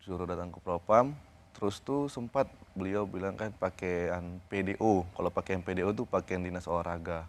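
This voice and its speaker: A young man, a guest on a TV interview, recounting events in a halting, informal way. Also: sits low. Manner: halting, informal, retells conversations step by step.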